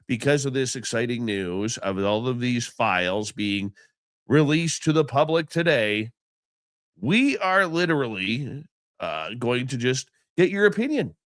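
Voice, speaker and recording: A man's voice: medium pitch, big pitch swings, unhurried, fairly bright tone, no echo, clean studio sound. A congested, just-woken-up man hosting a live radio stream, chatting loosely and greeting his viewers by name. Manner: rambling, chatty, affectionate with viewers. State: congested, stuffy nose. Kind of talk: casual live show chat, reading out chat names.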